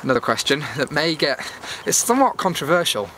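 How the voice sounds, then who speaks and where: Bright-voiced British man rambling outdoors. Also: fairly high pitch, sing-song, fairly quick. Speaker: YouTube vlogger and host. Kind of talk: rambling casual walk-and-talk vlog. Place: outdoors on a cold evening walk. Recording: clear outdoor background noise.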